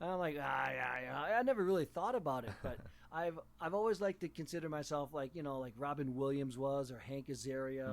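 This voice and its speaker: A man's voice at a fairly quick pace, with ordinary pitch variation. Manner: playful, casual.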